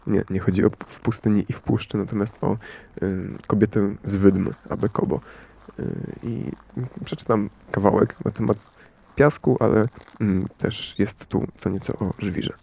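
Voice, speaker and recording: A man hosting a radio talk show, musing slowly with many hesitations and fillers. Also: on the low side, steady tone, vocal fry, warm tone, breathy edge. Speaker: radio host.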